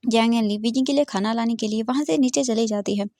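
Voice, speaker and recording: A woman's voice: on the high side, fast, warm tone, dry recording, clean studio sound. A woman casually retelling a fan fiction story in plain, explanatory storytelling.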